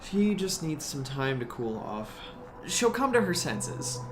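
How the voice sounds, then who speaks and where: Audio drama role: anxious, practical young guy, earnest and animated, over clear background noise. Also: on the high side, a little slow. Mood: pleading. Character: anxious, practical young adult urging friends to flee.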